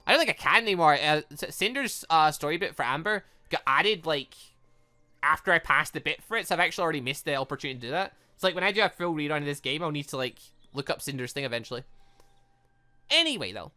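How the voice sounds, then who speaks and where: A gaming host doing a visual novel let's play, reading lines aloud and rambling through off-the-cuff reactions in an animated way. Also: mid-range voice, fast.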